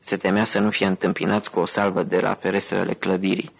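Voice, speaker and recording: A male audiobook narrator reads in a steady, even way. His voice is deep and husky, with a gravelly texture. The pitch stays flat and level throughout. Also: poor audio.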